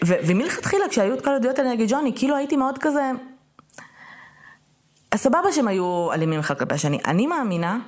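A young woman co-hosting a podcast in casual chat, emphatic and animated, often checking in with "okay?". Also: on the high side. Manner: animated, emphatic, peppers talk with "okay?" and "right?". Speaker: podcast co-host.

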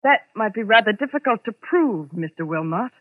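An actress playing a cold, bitter young secretary bent on revenge, with an intense, melodramatic manner in a 1940s radio drama. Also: female voice, mid-range voice, lively intonation, normal speed, no echo, close to an everyday voice. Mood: cool, guarded. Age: young adult. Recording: dry, tinny 1940s radio recording.

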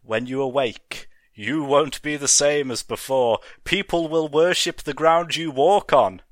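Man voicing a shouting mad scientist, gloating, raised pitch, dry sound. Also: measured pace, no echo, lightly acted. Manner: shouting, ranting. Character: ranting fat nerd mad scientist man.

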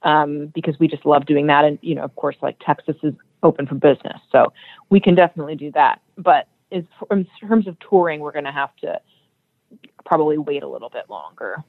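A woman's voice: sits low, a little fast, no room sound. A woman who sings in a metal band, speaking as an interview guest, chatty and often restarting her sentences. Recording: tinny phone-like line.

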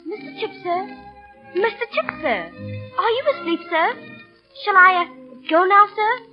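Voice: very high-pitched, unhurried, music in the background. A performer playing a polite, anxious young English schoolboy, hesitant and deferential, in classic radio drama style. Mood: timid. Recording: muffled old radio broadcast.

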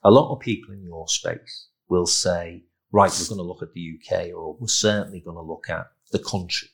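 A man with a fairly low voice hosts a business podcast. He speaks emphatically, with a salesman-like push in his delivery as he presents. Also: fairly even intonation, moderate pace. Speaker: podcast host. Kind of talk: podcast interview and promotional announcements.

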